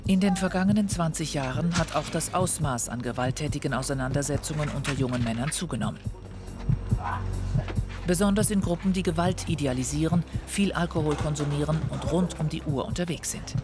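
A man narrating a crime documentary in a calm, factual, scripted manner. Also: fairly high pitch, brisk. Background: music under the voice.

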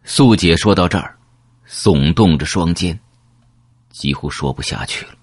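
A man's voice: sits low, lively intonation, unhurried, husky, no echo. A man narrating an audiobook novel with emotive first-person storytelling into a close mic.

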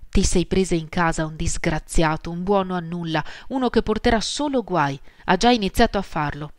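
A woman's voice: lowish voice, moderate pace, no room sound, clean studio sound, natural voice. A woman reading the lines of a stern, proud mother in an audiobook, speaking coldly and resolutely. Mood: furious. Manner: hissing, cold and resolute.

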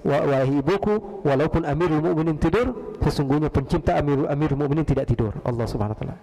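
A man voicing an earnest, pious young girl who pleads slowly with her mother. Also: on the high side, vocal fry, warm tone. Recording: long reverb of a large mosque hall.

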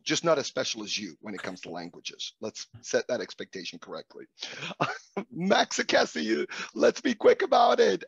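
Brief: middle-aged man, native Italian speaker, hosting a webcam chat. Gravelly, husky voice, a bit high for a man, with lively swings in pitch. The audio is dull and lo-fi. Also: dry recording. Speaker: host. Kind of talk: guided conversation on a video call. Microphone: webcam on a video call. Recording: dull lo-fi video call audio.

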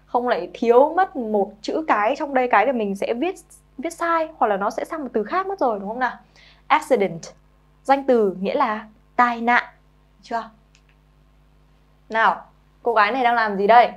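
A young woman who teaches English to children, coaxing her pupils and saying each new word slowly several times over. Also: fairly high pitch, highs cut off. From Vietnam. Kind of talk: children's vocabulary lesson.

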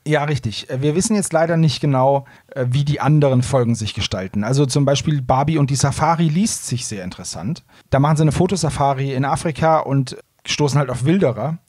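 A man's voice: mid-range voice, brisk, darkish tone, husky, no echo, studio quality. A man hosting a podcast, chatting casually about audio dramas. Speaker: podcast host.

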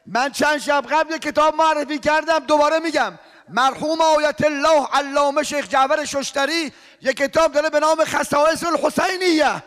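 Very high-voiced impassioned male preacher. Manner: impassioned, swings from hushed murmur to shouting. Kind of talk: mourning sermon with chanted lament. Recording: long hall reverb.

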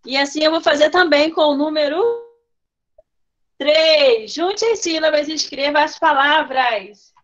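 A first-grade teacher runs an online class for young children over a video call, coaxing pupils and prompting them by name. Her voice sits high and unhurried, carried by dull, lo-fi call audio.

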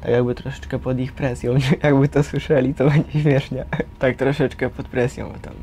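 A man's voice: mid-range voice, little pitch movement, moderate pace, dark tone. A young man giving a candid, casual account in slangy speech full of tag questions. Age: teenager or young adult. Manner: slangy, tags phrases with a questioning filler. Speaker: resident of a youth care centre. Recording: faint background noise.

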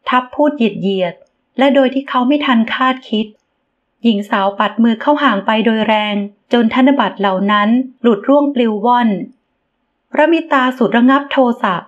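Woman reading a love story aloud, higher voice, kinda dull lo-fi sound. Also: normal speed. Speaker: audiobook narrator. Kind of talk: storybook narration of a romance novel.

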